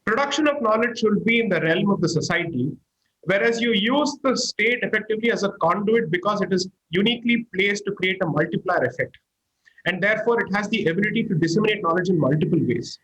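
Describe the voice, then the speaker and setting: Analytical man, high-pitched. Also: expressive, fast, fairly bright tone, poor audio. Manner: structured, analytical explanation. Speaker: panel guest. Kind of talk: panel discussion.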